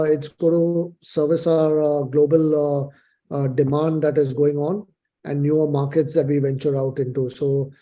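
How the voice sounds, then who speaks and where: Halting, very mellow male executive. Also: on the high side. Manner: halting, hesitant, measured phrasing. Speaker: company executive answering analysts. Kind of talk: earnings call answers.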